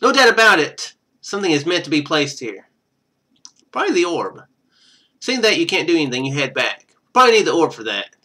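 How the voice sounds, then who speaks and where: A man's voice: fairly high pitch, sing-song, a little fast, bright, forceful tone. A man streaming a game, reading its text aloud and adding casual, wry asides.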